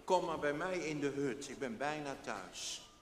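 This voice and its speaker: A man voicing a kind, slow old man who speaks gently and coaxingly. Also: on the high side, expressive. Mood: gentle. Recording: echoey hall, faint background.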